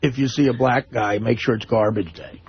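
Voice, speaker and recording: A man's voice: mid-range voice, fairly even intonation, fairly quick. A man trading casual comic banter on a radio show, joking and riffing. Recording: noisy, dull lo-fi radio.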